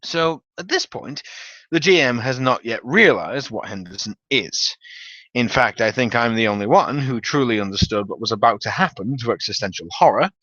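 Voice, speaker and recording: A man narrates a comic gaming tale as a dramatic reading. His delivery is theatrical and wry, with very lively intonation and a bright, forceful edge. The sound is dry and a little dull. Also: medium pitch, normal speed, no room sound. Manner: theatrical storytelling with wry emphasis. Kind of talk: dramatic reading of a comic tabletop-game story.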